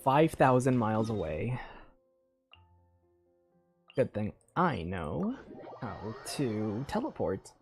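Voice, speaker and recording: A woman's voice: extremely low pitch, big pitch swings, slow pace, long pauses, a little mellow, faint music behind. A woman giving casual gameplay commentary as a streamer, rambling and thinking aloud. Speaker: game streamer.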